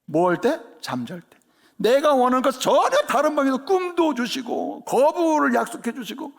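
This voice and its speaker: A man preaching a sermon in a church, lively and conversational, often asking the congregation questions. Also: very high voice, normal speed, vocal fry. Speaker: pastor. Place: church sanctuary.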